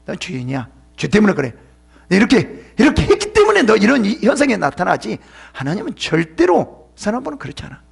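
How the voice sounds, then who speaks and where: A man's voice: high-pitched, huge pitch swings, brisk, vocal fry, husky. A man pastor giving an emphatic sermon at a church seminar, addressing listeners sharply and sometimes dropping into a whisper.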